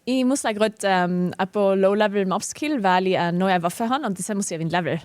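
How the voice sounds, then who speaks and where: While gaming on a live stream from her home office, a young woman with a regional German dialect chats in a relaxed way and giggles often. She speaks briskly in a mid-range voice, and there's no echo.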